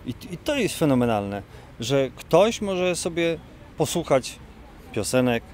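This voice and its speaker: A man's voice: a little high, sing-song, measured pace, a little mellow, a little hiss or hum. Enthusiastic middle-aged man interviewed outdoors. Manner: enthusiastic, stumbling restarts. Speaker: stage performer. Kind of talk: casual interview. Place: outdoor park. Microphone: handheld mic. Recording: outdoor ambience.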